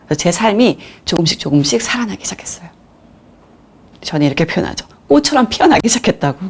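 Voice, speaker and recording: A woman's voice: mid-range voice, very animated, quick pace, husky. A woman in her forties, a lecturer, telling her own story candidly in a talk and acting out the voices she quotes. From Korea. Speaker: lecturer on nonviolent communication. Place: lecture hall.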